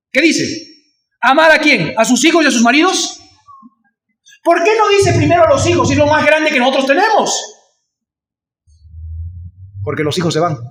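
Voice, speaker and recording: A male pastor with a Venezuelan Spanish accent, preaching a sermon and asking the congregation questions. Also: very high voice. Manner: acts out shouting voices in anecdotes. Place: church. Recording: echoey church from far off.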